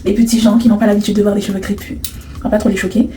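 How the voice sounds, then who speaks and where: A woman's voice: medium pitch, little pitch movement, rapid-fire, music in the background. A woman vlogging casually to camera in a sassy, teasing way, laughing often. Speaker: hair vlogger.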